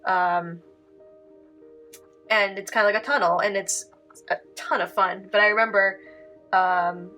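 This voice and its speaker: A woman's voice: medium pitch, steady tone, unhurried, pauses often, sharp tone. Young woman native italian speaker, chatty painting tutorial host, lots of likes and ums, faint music under it. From Canada. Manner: chatty, heavy filler words, giggly asides. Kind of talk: casual painting tutorial chat.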